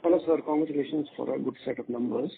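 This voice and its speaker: A man with an Indian accent, an investor calling into an earnings call with polite but probing, halting questions. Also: medium pitch, gravelly. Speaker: investor caller asking questions. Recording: muffled narrow telephone line.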